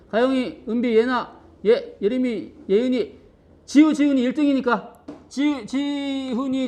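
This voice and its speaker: A man's voice: high voice, a little mellow. A middle-aged male pastor leading a children's worship service, playful and cheerful, calling out names and counting aloud. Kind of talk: lively children's worship greeting. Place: church sanctuary.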